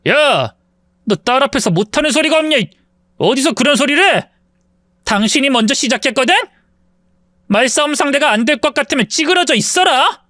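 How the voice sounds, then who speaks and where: A man's voice: very high voice, expressive, normal speed, long pauses, bright, forceful tone, no echo, studio quality, voice pushed up, full character voice. A man playing an arrogant husband who sneers and hurls insults. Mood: angry. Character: arrogant, contemptuous husband in his prime.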